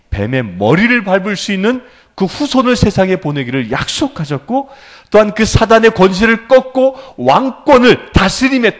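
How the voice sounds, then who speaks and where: Animated priest with a high, lively voice. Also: male voice. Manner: animated, keeps prompting listeners with questions. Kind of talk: sermon lecture. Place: church.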